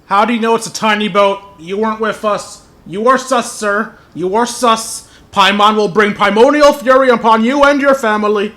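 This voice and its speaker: A man's voice: high-pitched, steady tone, normal speed, hardly any pauses, bright, forceful tone. A man giving joking commentary as a video game streamer.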